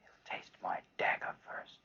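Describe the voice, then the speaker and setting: An actor voicing a sly, scheming assassin in an animated Bible drama, talking in a hushed, conspiratorial way. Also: male voice, a little slow, whispered. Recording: dull lo-fi sound.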